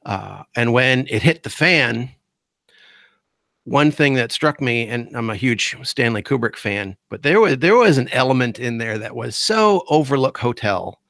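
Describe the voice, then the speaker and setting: A man talks slowly on a podcast, pausing often and hunting for the right words. His voice sits at an ordinary middle pitch. The sound is close and dry. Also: very animated, gravelly, fairly bright tone, no room sound. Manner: halting, searching for words with many fillers. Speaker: guest host. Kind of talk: casual podcast discussion.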